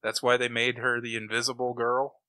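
A man co-hosting a podcast, chatting casually in an animated, opinionated way. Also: medium pitch, moderate pace, dry recording. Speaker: podcast co-host. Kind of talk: casual chat about comic books and old radio shows.

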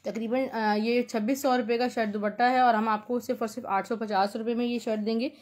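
A woman with a Pakistani accent hosting an informal live shopping sale, pitching repetitively and mixing in English words. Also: fairly even intonation, a little fast, a little mellow. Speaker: live-sale host selling clothes.

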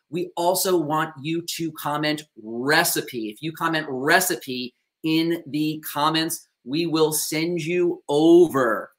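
A man's voice: on the high side, a bit bright. A man in his thirties hosting a live stream over a video call, gushing with praise and relaying viewer questions. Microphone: video call webcam.

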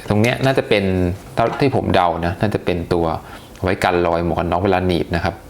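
A man's voice: deep voice, quick pace, a little hiss or hum. A man giving a casual, chatty unboxing review, talking with hesitations and many polite particles. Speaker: tech reviewer.

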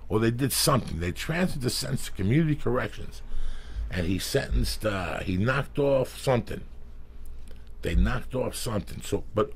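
A middle-aged man hosting a podcast, telling animated, profane stories from his past in a small studio on a studio mic. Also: medium pitch, gravelly, husky. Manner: profane, animated storyteller who acts out quotes. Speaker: podcast host. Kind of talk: casual storytelling chat. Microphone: studio mic with headphones.

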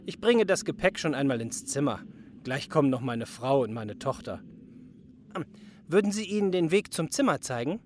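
A man's voice: fairly high pitch, sing-song, moderate pace, a little mellow, slight background noise. An actor playing a kindly, courteous middle-aged family man in a crime audio drama, hesitant in manner. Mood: polite. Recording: clear ambience behind the voice.

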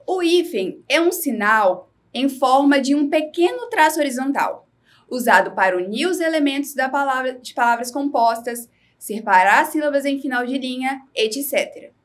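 Brazilian woman teacher, high voice, clear, patient, scripted lesson. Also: animated. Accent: Brazilian Portuguese. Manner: slow, clear, instructive delivery.

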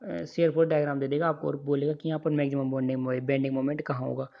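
A man's voice: a little high, flat delivery, rapid-fire, gravelly, lo-fi sound. A man teaching engineering in an online lecture over handwritten notes, drilling formulas and checking in often with his students. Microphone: voice-over on screen recording.

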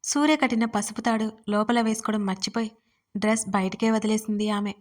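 A woman storyteller narrating a romance audio story in a steady, expressive reading voice. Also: medium pitch, brisk.

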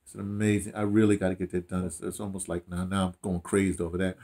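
An older man with an American accent chats casually, telling stories in an animated, rambling way with repeated phrases and slangy asides. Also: low-pitched, quick pace. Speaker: interviewee, audio dramatist. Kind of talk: casual chat, storytelling. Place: small room indoors, seated.

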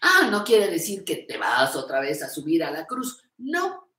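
Her pitch sits low but swoops wildly, and she keeps a measured pace. The older woman hosts a live show on creative aging from an echoey room, reading viewer comments aloud and replying warmly and encouragingly, calling them "reina."

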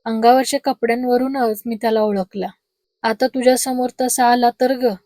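A woman voicing a frightened elderly husband with a hoarse, trembling voice, pleading with his wife. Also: a little high, fairly even intonation, moderate pace, mellow, no echo, close to an everyday voice.

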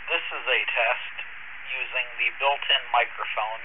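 A man slowly reading out a microphone test, his voice compressed through a filtered radio codec. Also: mid-range voice, fairly even intonation, noisy background. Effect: compressed radio codec with band filters. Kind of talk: slow microphone test readout. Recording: muffled, phone-like, band-filtered codec audio.

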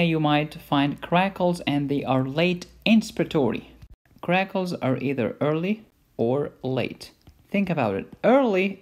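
A man giving an informal medical lecture in a playful, blunt and emphatic way. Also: mid-range voice. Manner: playful, blunt, emphatic teaching with mild cursing.

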